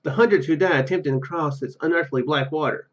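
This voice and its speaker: A man hosting a gaming video, commenting casually and reading game text aloud in a halting, rambling way. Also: fairly high pitch, lo-fi sound.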